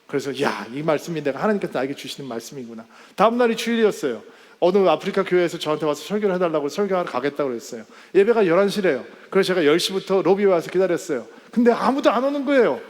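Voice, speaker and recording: A male pastor telling a story in a sermon, animated and acting out the quoted voices. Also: on the high side, rapid-fire. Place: church sanctuary. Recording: church hall with long reverb.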